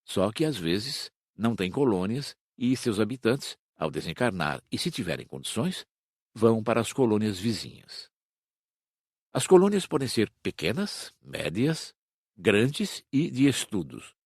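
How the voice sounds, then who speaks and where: A low, husky male voice reads an audiobook with measured pacing and a lively rise and fall. The recording is dry and close, with almost no room sound. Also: no room sound. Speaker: audiobook narrator. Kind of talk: scripted audiobook reading.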